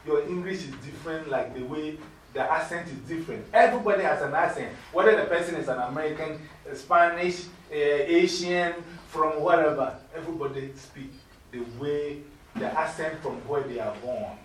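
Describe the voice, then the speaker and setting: A middle-aged woman with a Ghanaian accent, mentoring young people in an informal classroom talk, lively and preachy, laughing easily. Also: low voice, moderate pace. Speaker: mentor speaking to youth. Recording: echoey room from far off.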